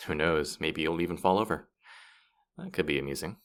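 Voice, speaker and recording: Man playing a teasing, deep-voiced trickster spirit. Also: a little fast, fairly bright tone. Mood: amused teasing. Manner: teasing, theatrical, mock-sympathetic, swooping delivery. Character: playful, boastful male disembodied afterlife trickster spirit guide. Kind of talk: scripted fantasy audio roleplay acting.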